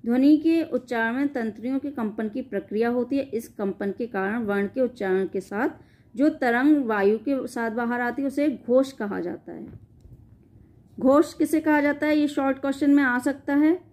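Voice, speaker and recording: A woman's voice: a little high, moderate pace, a little mellow. A woman teaching an exam-prep grammar lesson, reading definitions and then explaining them in a loose, spoken way, often correcting herself mid-sentence. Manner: frequent self-corrections and "sorry".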